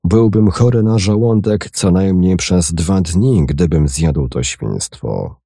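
Guy playing a scared young sailor, nervous and hushed, slow lines, audiobook story. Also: low-pitched, lively intonation, slightly rough, dry recording, clean studio sound, full character voice. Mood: reluctant. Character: frightened young male sailor.

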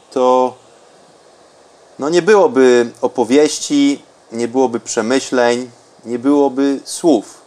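A man speaking in a calm, unhurried, soothing way with long pauses, as a podcast host and meditation guide. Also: mid-range voice.

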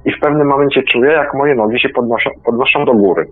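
A man calling in to a radio show by phone, telling a personal experience in a halting, stammering way that keeps repeating words. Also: mid-range voice, slightly rough, dry recording. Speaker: caller. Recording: tinny phone line.

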